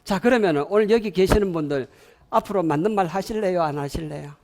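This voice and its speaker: Speaking fast in a high-sitting voice, a man with a Gyeongsang accent delivers an animated lecture to parents. He frequently questions the audience and gets them to repeat lines after him.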